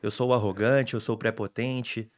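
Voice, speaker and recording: A young adult man, a sports reporter telling stories in an excitable, animated way on a casual podcast. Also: on the low side, normal speed.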